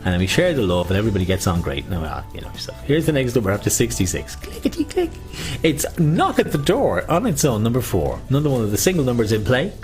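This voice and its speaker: A man hosting an online game as a bingo caller, with chatty, jokey patter and drawn-out number calls using traditional nicknames. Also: medium pitch, huge pitch swings, a little mellow, soft background music.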